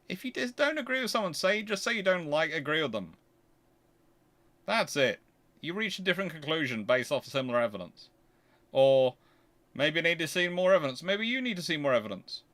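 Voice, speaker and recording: A British man with a medium-pitched voice hosts a casual livestream, answering audience questions. He talks in a halting, rambling way, circling back to reword what he has just said. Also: fairly bright tone. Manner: rambling, halting, repeats and rephrases himself.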